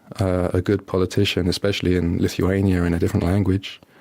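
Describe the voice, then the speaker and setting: Here a man speaks with a British accent at a fairly quick pace. The recording is very clean, with a silent background. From Britain. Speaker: political adviser and former DJ. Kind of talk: interview.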